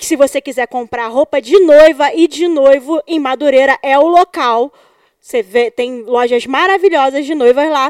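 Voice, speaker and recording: On a very clean recording with a silent background and a dry, close sound without echo, a woman speaks fairly slowly in a high voice with ordinary pitch variation. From Rio de Janeiro west zone. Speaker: podcast co-host. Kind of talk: casual chat.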